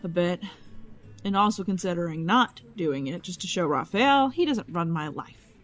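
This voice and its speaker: A woman's voice: on the low side, lively intonation, normal speed, faint music behind, natural voice. An actress playing a stubborn, stressed woman detective with a terse, dry delivery in an audio drama. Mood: guarded, irritated. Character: stressed, stubborn, guarded female police detective. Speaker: police detective.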